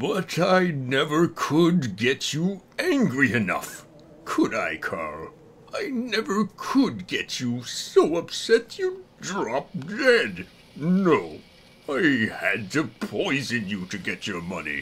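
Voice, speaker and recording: In a put-on character voice, a man speaks at a very slow pace with a high pitch. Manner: gloating, sneering.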